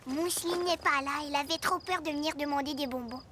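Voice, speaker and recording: A woman's voice: high-pitched, fast talker, bright, forceful tone, slight background noise. A woman voicing an eager, sweet four-year-old boy in a French children's cartoon, with childlike, simple delivery. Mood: excited. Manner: exclaiming, childlike, simple phrasing. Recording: music under the voice.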